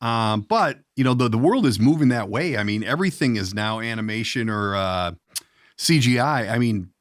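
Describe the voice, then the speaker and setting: A man's voice: mid-range voice, expressive, moderate pace, no room sound, clean studio sound. A man hosting a podcast in a casual interview style, rambling and often restarting his sentences as he goes. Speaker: podcast host.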